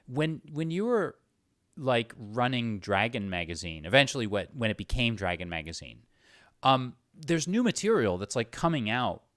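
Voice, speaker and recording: A man chatting casually as an interviewer, informal and halting as he rambles toward his questions. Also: mid-range voice, big pitch swings, a bit bright, no echo, clean studio sound. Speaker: interviewer, channel host. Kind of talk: casual chat.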